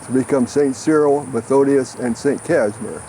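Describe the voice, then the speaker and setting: Moderate pace in an American accent over noticeable background noise. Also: man. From Kansas City, USA. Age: 80s+. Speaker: former parishioner. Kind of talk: interview answer.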